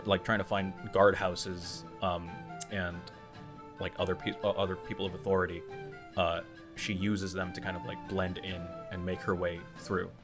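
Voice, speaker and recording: A man narrating a tabletop roleplaying game as game master, improvising in a halting, conversational way as he thinks aloud. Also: low voice, flat delivery. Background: music.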